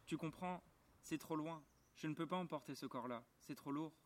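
A man reading aloud and speaking the lines of a gentle, earnest little boy prince in a soft, quiet voice close to his own, outdoors in a garden. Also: fairly high pitch, moderate pace, close to an everyday voice. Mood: tender, sad.

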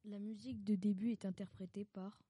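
A woman reading a novel excerpt aloud with expressive delivery. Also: medium pitch, brisk, breathy edge, no echo.

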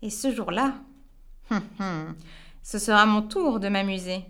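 A woman voicing a spiteful old witch from a storybook, with a small, shrill and sour voice. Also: unhurried, a bit bright, lightly acted. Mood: mocking. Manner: mocking, sneering. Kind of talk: storybook reading.

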